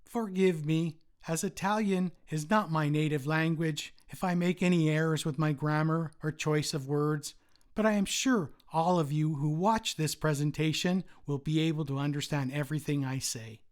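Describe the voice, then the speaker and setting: A man, a retired umpire, giving a formal prepared presentation at a convention in a measured, read-aloud way. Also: fairly high pitch, fairly even intonation.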